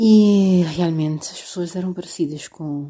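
A woman speaks at a fairly slow pace in a somewhat breathy voice. Her tone is dark and mellow. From Cape Verde. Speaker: author. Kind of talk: interview.

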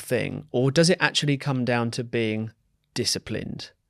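This is a very clean recording with a silent background. A man speaks at medium pitch with a British accent. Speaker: podcast host. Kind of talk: interview.

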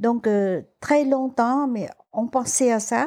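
In a very clean recording with a silent background, a woman with a dark, mellow tone speaks at a very slow pace with fairly even intonation. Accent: Vietnamese. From Vietnam. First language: Vietnamese (speaking French). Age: 70s. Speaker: activist, war veteran. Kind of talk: interview testimony. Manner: halting.

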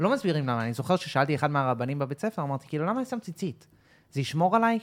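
With lively intonation and a fairly high pitch, a man talks on a very clean recording against a silent background. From Israel (Rehovot), born in Los Angeles. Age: 30s. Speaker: podcast guest. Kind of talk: casual chat.

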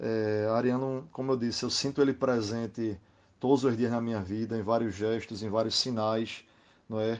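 A man talks at a medium pitch and moderate pace with fairly even intonation, a normal speaking voice. The background is quiet. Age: 30s. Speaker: writer's grandson, cultural heritage promoter. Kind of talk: interview.

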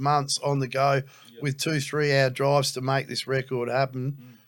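A man with a fairly high pitch speaks in a monotone, flat intonation at a moderate pace. The recording is very clean and the background silent. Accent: Australian. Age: 50s. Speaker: rapper. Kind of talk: casual chat. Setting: studio.

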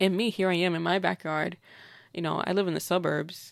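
A woman at a medium pitch with fairly even intonation. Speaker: solo podcast host. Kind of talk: casual personal monologue. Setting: home recording, backyard. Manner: low-energy, slumped delivery.

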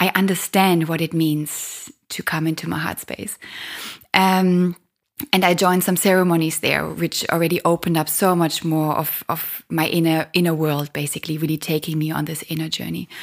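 A woman speaks with a German accent at a moderate pace, her pitch fairly low and her intonation monotone and flat. The recording is very clean, with a silent background. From Germany. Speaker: cacao ceremony facilitator. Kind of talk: interview.

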